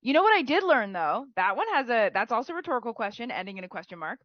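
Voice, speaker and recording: A woman's voice: on the high side, very animated, fast talker, dry recording, highs cut off. Sick, nasal woman teacher. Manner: chatty, peppered with "right?" and "like". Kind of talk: classroom writing feedback.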